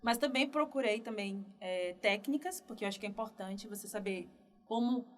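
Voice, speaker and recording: A woman from Northeast Brazil, a developer guest telling her career story in a relaxed, chatty interview. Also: medium pitch, normal speed. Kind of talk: casual podcast interview.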